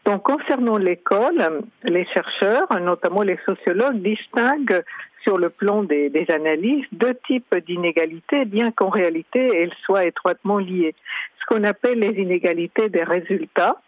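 A woman's voice: mid-range voice, normal speed, no room sound. A woman from Venezuela, a sociologist guest answering interview questions in a thoughtful, hesitant, explanatory way over the phone. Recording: tinny dry phone line.

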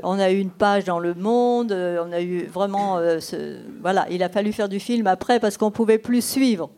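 An elderly woman in her eighties with a warm, mellow tone, whose first language is Breton. She looks back on her work as a documentary filmmaker in an unhurried, storytelling way, thinking aloud as she goes. Her voice sits at a middling pitch. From Brittany. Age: 80s. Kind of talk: reminiscing interview answers.

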